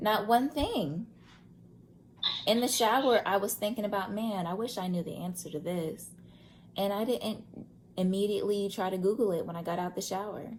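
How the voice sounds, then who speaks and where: A somewhat breathy woman talks at a medium pitch and moderate pace with ordinary pitch variation and long, frequent pauses. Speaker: vlogger sharing ADHD medication experience. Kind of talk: casual video diary.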